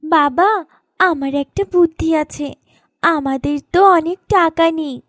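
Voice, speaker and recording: A woman's voice: very high-pitched, no echo, clean studio sound. A woman voicing a clever, caring young village daughter in a cartoon, eager and earnest. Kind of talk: cartoon story dialogue.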